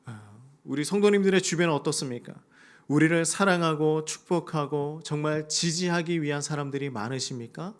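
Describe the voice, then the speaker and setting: A man's voice: a little high, normal speed. A male pastor preaching a sermon, acting out prayers in a raised voice. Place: church sanctuary.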